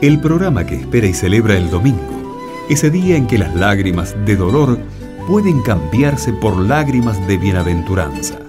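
A man's voice: lowish voice, sing-song, normal speed. A man reading a scripted introduction as the announcer of a radio program. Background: guitar music.

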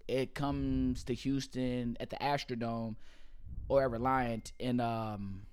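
A man's voice: medium pitch, flat delivery, slow pace, darkish tone, smooth. A man in his late twenties hosting a casual podcast chat, talking loosely with slang and frequent laughter. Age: 20s. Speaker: podcast host. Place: Houston area. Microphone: studio mic.

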